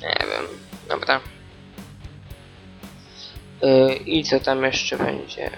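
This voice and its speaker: A man's voice: medium pitch, very animated, extremely slow, creaky, soft background music. A man hosting a solo podcast, chatting in a meandering, hesitant way with lots of fillers. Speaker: podcast host. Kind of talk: rambling solo podcast chat.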